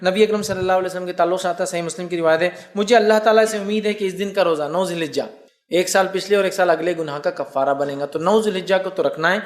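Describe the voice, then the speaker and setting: A male preacher whose voice sits a little higher than most men's. He explains carefully, repeats key phrases and slows down to recite devotional formulas. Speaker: Islamic preacher. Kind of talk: sermon.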